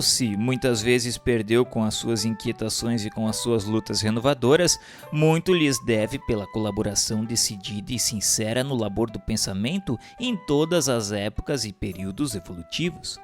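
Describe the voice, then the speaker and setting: A Brazilian man narrates in a solemn, declamatory style, with formal and measured phrasing. His voice sits at a medium male pitch, and soft music plays behind him. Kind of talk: solemn scripted narration of a spiritual text.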